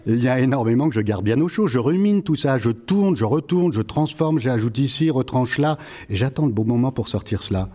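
Man, mellow timbre, measured wry reading of his own prose. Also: medium pitch, animated. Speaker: author reading and answering. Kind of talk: reading a prose piece aloud.

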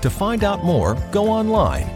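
A man's voice: sits high, wildly swooping pitch, a little slow. A man reading a scripted commercial as an announcer. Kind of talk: scripted advertising narration. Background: music bed.

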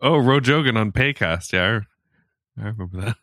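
A man's voice: lowish voice, moderate pace, fairly bright tone, dry recording, studio quality. A man co-hosting a comedy podcast, grumbling sardonic asides. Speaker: podcast co-host.

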